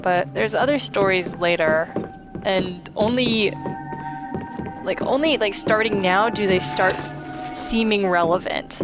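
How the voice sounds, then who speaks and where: A woman's voice: medium pitch, takes it slowly. Female game commentator, chatty and opinionated, casual delivery over prominent music. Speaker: host playing and presenting a video game. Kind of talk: casual let's play commentary. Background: video game music.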